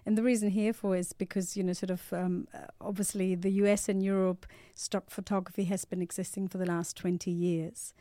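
A woman's voice: mid-range voice, little pitch movement, a little fast, few pauses, mellow, no echo, clean studio sound. A woman in her forties with a blended Spanish, Australian and English accent, a startup founder talking as a podcast guest, with many fillers and repeated phrases. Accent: mixed Spanish, Australian and English. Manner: many fillers, repeats words, says "you know, sort of". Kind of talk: casual interview talk. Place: podcast studio.

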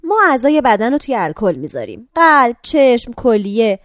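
An actress playing a brisk, matter-of-fact care-home attendant who gives an old woman instructions. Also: on the high side, sing-song, no echo, studio quality. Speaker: caregiver.

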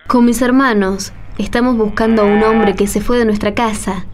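A woman playing a gentle, courteous, devout young female disciple in a Spanish-language radio play. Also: fairly high pitch, fairly even intonation, normal speed, lightly acted. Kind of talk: radio play dialogue acting.

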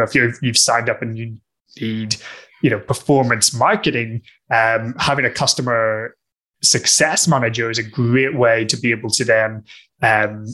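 Bright-voiced Northern Irish man. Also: mid-range voice, low-quality recording. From Northern Ireland. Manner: thoughtful, many fillers and restarts. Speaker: guest discussing customer success. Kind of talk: conversational interview answers.

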